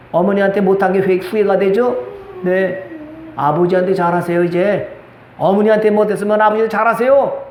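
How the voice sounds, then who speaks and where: High-voiced older pastor preaching in a roomy church. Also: male voice. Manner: storytelling with quoted voices and rhetorical questions. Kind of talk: sermon. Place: church sanctuary. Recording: echoey church room with faint noise.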